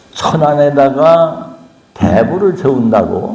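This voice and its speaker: Very slow speech from a man with lively intonation, over noticeable background noise. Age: 80s+. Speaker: Buddhist monk. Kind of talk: Buddhist dharma talk.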